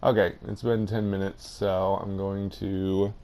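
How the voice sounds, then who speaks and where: Low-pitched man casually commenting on a game. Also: level tone, a little slow, dark tone. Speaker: gaming video host.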